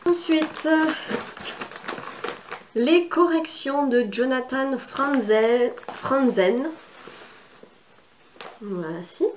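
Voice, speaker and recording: A woman's voice: a little high, slight background noise. A woman book vlogger chatting casually and enthusiastically through an unboxing, with lots of fillers. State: has a cold.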